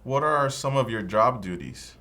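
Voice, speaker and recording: A man voicing an immigration officer running an interview. He asks one formal question after another in a neutral, even manner, at a mid pitch for a man. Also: moderate pace. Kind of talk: scripted practice dialogue.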